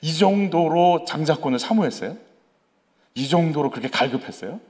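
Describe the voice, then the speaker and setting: A man's voice: on the high side, normal speed. A man preaching a sermon as the pastor of a church, asking the congregation questions and acting out voices. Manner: animated, acts out quoted voices; conversational, asks the congregation questions.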